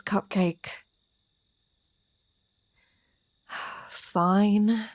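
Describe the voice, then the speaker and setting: Woman playing a slow-talking, flirty female vampire. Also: mid-range voice, a little mellow. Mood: teasing, urgent. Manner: playful, sardonic, mock-exasperated. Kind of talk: ASMR roleplay audio drama.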